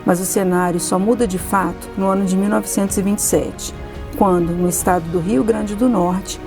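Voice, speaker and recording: A woman giving steady, formal scripted documentary narration. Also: mid-range voice, moderate pace, vocal fry, over music.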